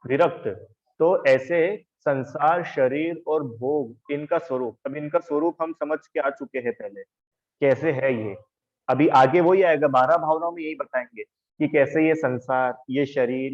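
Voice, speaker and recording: A man teaches religion online through a video call, patiently walking students through material, having them repeat it and addressing each by name. His voice is fairly high and unhurried, and the audio comes across dull.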